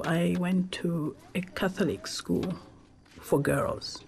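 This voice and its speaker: Low gravelly Zambian woman. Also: dark tone, slight background noise. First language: Tonga. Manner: reflective, unhurried, with pauses and restarts. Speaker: documentary interviewee. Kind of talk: personal life story.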